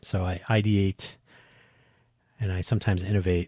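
With an American accent, a man speaks at a moderate pace in a somewhat breathy, very deep, low voice, captured in a very clean recording with a silent background. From New Jersey. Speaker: podcast host, software developer. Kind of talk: solo monologue podcast. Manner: rambling with many fillers.

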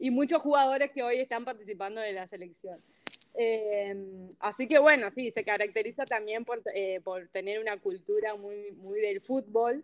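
A woman with a Rioplatense accent and a fairly high pitch speaks at a fairly slow pace, with ordinary pitch variation and big swings in loudness. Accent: Argentine Rioplatense Spanish. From Argentina, Santa Fe province. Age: 20s. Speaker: politics advocate. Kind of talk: interview conversation.

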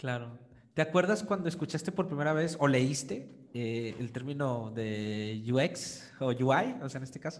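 At a fairly slow pace, an ordinary speaking voice moves with lively intonation. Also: man, medium pitch for a man. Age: 30s. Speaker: podcast host. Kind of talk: interview.

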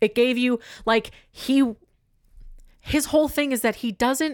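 A woman's high-pitched voice at a very slow pace, dry and close with no echo, in a very clean recording with a silent background. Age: 20s. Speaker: podcast co-host. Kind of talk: casual chat; reading plot summary.

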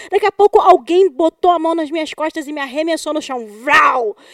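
At a moderate pace, a woman talks with lively intonation in a dry, close sound with no echo. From Rio de Janeiro west zone. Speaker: podcast co-host. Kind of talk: casual chat.

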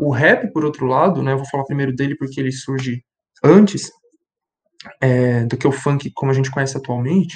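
Somewhat breathy, a man speaks at a fairly quick pace and a fairly high pitch. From São Paulo, Brazil (northern periphery). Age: 20s. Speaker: university student and YouTuber. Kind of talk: casual interview. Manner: casual slangy speech.

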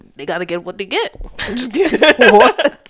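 A woman's animated tone and lively intonation over noticeable background noise. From Haitian heritage. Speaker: podcast co-host. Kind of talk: casual chat.

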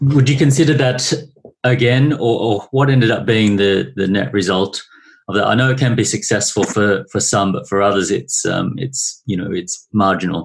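A man speaks at a moderate pace and medium pitch, somewhat breathy. His pitch varies in an ordinary way. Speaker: podcast host. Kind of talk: podcast interview.

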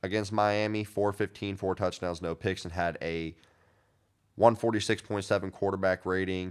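A man with a fairly low pitch speaks at a very slow pace in a monotone, flat intonation, with long, frequent pauses, in a very clean recording with a silent background. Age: 20s. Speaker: football podcast host. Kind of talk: casual solo sports commentary podcast. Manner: casual, filler-heavy.

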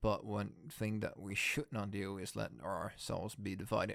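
Speaking with a Dutch accent, a man uses a fairly low pitch with vocal fry on a very clean recording with a silent background. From Netherlands. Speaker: security professional and channel host. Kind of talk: solo commentary podcast. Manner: halting.

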